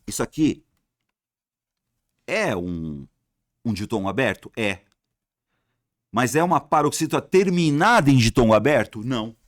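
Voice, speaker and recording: A man's voice: mid-range voice, dry recording, studio quality. A Brazilian man teaching Portuguese grammar for exams in a casual, colloquial way. He repeats key words to drill them and asks his students questions, then answers them himself. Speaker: Portuguese teacher for exam prep. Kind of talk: online grammar lesson.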